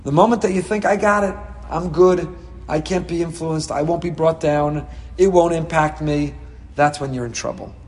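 A man giving a Torah class as a rabbi, reading Hebrew texts and explaining them with passion, swinging between soft and loud. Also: a little high, normal speed, long reverb tail. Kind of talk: Torah class on the weekly portion.

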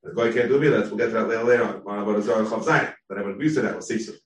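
A man leading a Talmud class, thinking aloud and reading out sources with quick asides. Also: fairly low pitch, roomy sound, far from the mic, poor audio. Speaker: Talmud teacher. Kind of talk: text-based Talmud class.

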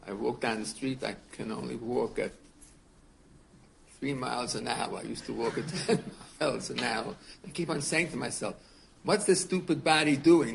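A man's voice: mid-range voice, creaky, fairly bright tone, slight background noise. A man in his seventies, a rabbi teaching a class in a casual, earnest way, often repeating words and asking his students questions. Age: 70s.

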